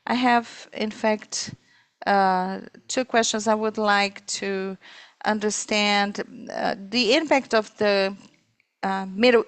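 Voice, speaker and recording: A woman interpreting live on a corporate earnings call, speaking in halting, piecemeal phrases. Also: mid-range voice, steady tone, smooth, no room sound. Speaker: simultaneous interpreter.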